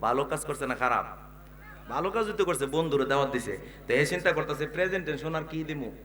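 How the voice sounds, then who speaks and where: A man preaching a sung waz sermon, chanting his storytelling and calling on the crowd to respond, sometimes bursting into shouts. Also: mid-range voice, lively intonation, fast talker. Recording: echoey loud PA from far off.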